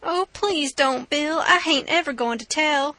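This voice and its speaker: A woman's voice: high-pitched, measured pace, bright, forceful tone, no echo, pitched above the performer's own voice. A woman voicing a frightened captive man who pleads and blubbers in a storybook reading. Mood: pleading.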